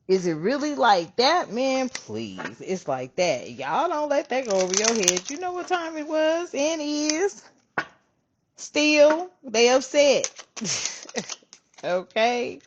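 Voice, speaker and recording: A woman host giving a casual spiritual reading, animated and profane, calling her viewers family. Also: medium pitch, lo-fi sound, slight background noise. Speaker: spiritual reader, channel host.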